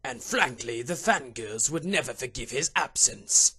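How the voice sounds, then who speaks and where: Raspy, sardonic villainous spirit. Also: male voice, medium pitch, expressive, a little slow, pushed and bright, full character voice. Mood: bored, disdainful. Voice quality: raspy, gravelly. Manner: theatrical, disdainful, articulate grumbling. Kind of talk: fan audio drama acting.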